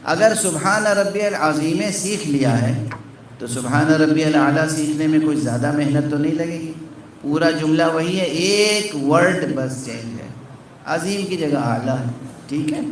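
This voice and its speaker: A man's voice: a little high, far from the mic, slight background noise. Man preaching in an echoey hall. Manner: teaching, counting along, asking the crowd questions. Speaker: Shia cleric. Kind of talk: sermon from the pulpit.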